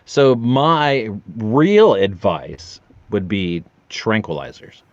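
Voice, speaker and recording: A man's voice: lowish voice, very animated, extremely slow, no room sound, dull audio. A middle-aged man chatting casually as a podcast guest, a joking storyteller who acts out little quotes. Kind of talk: casual interview chat.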